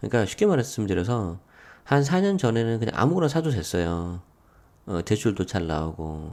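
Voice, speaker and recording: A man's voice swings very widely in pitch in a very clean recording with a silent background. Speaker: real estate and tax news commentator. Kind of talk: news commentary. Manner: fast; casual, many fillers.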